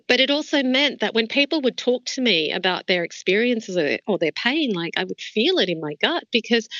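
A former foreign correspondent from Australia gives candid, reflective interview answers full of "like" and "you know." Her voice is a little high, pushed and bright, with no echo and a lo-fi sound.

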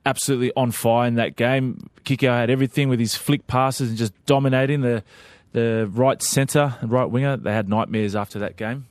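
A man co-hosting a casual sports chat, relaxed and full of fillers. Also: medium pitch, brisk, no echo. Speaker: co-host.

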